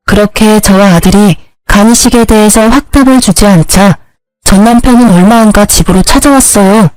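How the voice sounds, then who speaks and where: A woman narrating a scripted personal story as the mother, in an even, matter-of-fact way. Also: medium pitch, normal speed, dry recording, rough recording. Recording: dry close voice with faint music.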